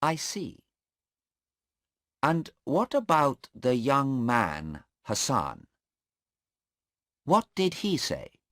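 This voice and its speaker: Guy doing a sharp insistent lawyer, voice jumps way up, slow and dry. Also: mid-range voice, very animated, no echo, pitched above the performer's own voice, heavily acted. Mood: pressing. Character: defence lawyer, man, sharp and pressing.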